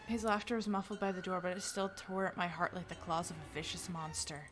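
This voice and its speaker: A young woman streamer reading a game's narration aloud with expression and breaking off for quick casual comments. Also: lowish voice, music in the background. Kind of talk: let's play, reading game narration aloud.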